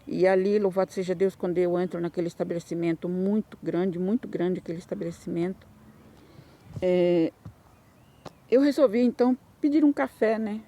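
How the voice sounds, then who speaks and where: A woman's voice: fairly low pitch, normal speed, warm tone. A woman with a Brazilian Portuguese accent giving a Christian testimony, telling her story in an emotional, repetitive way that rises into fervent bursts.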